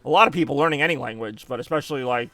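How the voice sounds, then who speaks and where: An American man streams a video game, chatting casually and rambling, often correcting himself and reacting to his in-game deaths. His mid-range voice is rapid-fire, pushed and bright, with no echo but poor audio quality.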